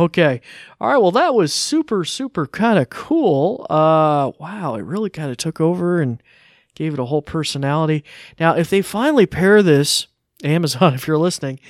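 A man's voice: fairly high pitch, dry recording, studio quality. A man giving a casual live tech demo, informal and hesitant, easily amused. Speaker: tech demonstrator.

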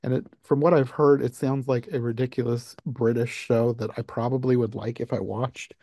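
Mellow-voiced man hosting a review podcast. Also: medium pitch, fairly even intonation, normal speed, husky, dry recording, studio quality. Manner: laughs often while recapping. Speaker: podcast host. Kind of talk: casual film review chat.

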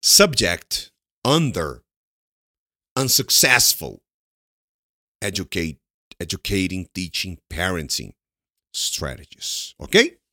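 Slow, lively-voiced Brazilian teacher man. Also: sits low, dry recording, clean studio sound. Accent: Brazilian Portuguese. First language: Portuguese. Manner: repeats words slowly, asks students questions and answers them himself. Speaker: English teacher. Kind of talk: English lesson mixing in Portuguese explanations.

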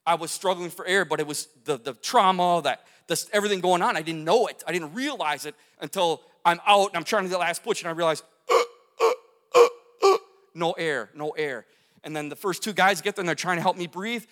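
A man's voice: high voice, quick pace, hardly any pauses, fairly bright tone. A man telling a dramatic personal story to an audience, repeating phrases for emphasis and gesturing as he goes. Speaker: speaker telling his near-death story. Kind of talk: testimony talk to an audience. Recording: long hall reverb.

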